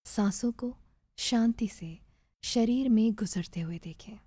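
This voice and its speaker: A woman narrating a guided meditation in a soft, breathy, soothing voice, measured and with gentle pauses. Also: on the high side, no echo, clean studio sound.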